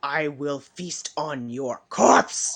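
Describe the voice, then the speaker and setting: This is a put-on character voice. It growls. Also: man, fairly high pitch for a man. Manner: growling, menacing.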